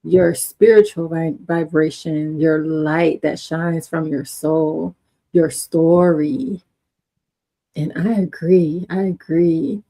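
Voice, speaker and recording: A woman with a mellow, fairly low voice. She interviews a guest. She speaks slowly and asks thoughtful, affirming questions. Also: steady tone. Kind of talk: conversational interview.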